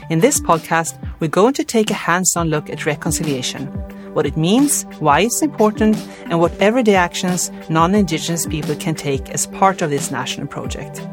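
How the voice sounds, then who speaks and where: A woman's voice: fairly low pitch, animated, moderate pace, music in the background. Swedish-accented woman hosting a podcast. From Sweden. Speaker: podcast host. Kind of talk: scripted intro and interview questions.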